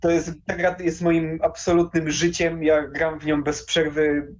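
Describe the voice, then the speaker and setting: Youngish guy chatting casually on a video call, kinda high voice, dull lo-fi sound. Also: completely flat delivery, unhurried. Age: young adult. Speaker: interview guest, game collector. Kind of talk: casual interview chat. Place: small room lined with game shelves. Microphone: headset on a video call.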